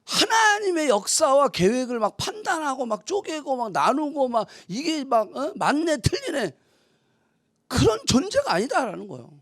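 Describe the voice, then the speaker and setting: High-voiced woman preaching with animated bursts. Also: normal speed, dry recording, studio quality. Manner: animated, swings between soft asides and loud emphatic bursts; acts out mock quotes in a teasing tone. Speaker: pastor. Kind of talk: conversational sermon.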